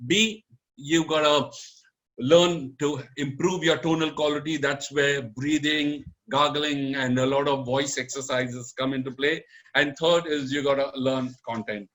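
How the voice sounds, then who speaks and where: A man teaching a live online public speaking lesson, animated and coaxing, swinging his pitch up and down for emphasis as he talks straight to his audience. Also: measured pace.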